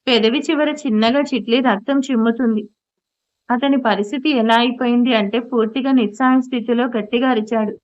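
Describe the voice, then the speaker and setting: A woman narrating an emotional audio story in a steady, scripted storytelling voice. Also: fairly high pitch, brisk. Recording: dull lo-fi audio.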